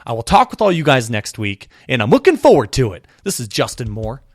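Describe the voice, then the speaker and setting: A man hosting his solo podcast, talking straight to his listeners with rising passion. His voice sits in a middle pitch and climbs when he gets worked up. He is a bit hoarse from a cold, and the room sounds dry and close. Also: huge pitch swings, fairly quick, no room sound, soft background music. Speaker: podcast host.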